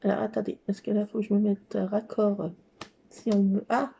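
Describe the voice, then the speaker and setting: A woman's voice: medium pitch, little pitch movement, normal speed, vocal fry, mellow, slightly rough, lo-fi sound. A woman hosting a scrapbooking channel, chatting casually and gushing as she works at a craft table and talks to herself along the way. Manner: bubbly, gushing. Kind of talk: casual craft tutorial chat.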